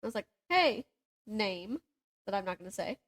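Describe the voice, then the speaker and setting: A woman's voice: medium pitch, normal speed. A woman co-hosting a book podcast in casual, chatty banter, with an informal, slangy way of telling stories and acting out what people said. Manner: informal, slangy, animated retelling with acted-out quotes.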